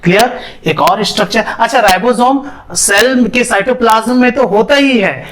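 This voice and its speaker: A man's voice: very high voice, moderate pace, fairly bright tone. A young man teaching a biology lesson, asking questions and answering them himself, mixing English terms into his speech. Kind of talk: classroom lesson with whiteboard.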